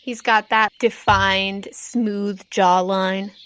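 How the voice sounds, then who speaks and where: A woman's voice: mid-range voice, level tone, very slow, a bit bright, smooth. Woman game master setting a scene. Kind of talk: narrating a tabletop role-playing game.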